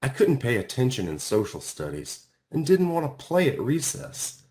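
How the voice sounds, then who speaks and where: Animated man reading a children's story. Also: medium pitch, moderate pace. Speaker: author reading his own book. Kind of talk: expressive children's story narration.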